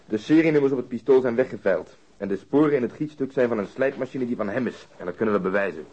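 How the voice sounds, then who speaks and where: An actor playing a brisk, assured police investigator, dry and factual, in a radio crime drama with dull sound. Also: male voice, mid-range voice, darkish tone, close to an everyday voice. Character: brisk, certain, matter-of-fact male police investigator.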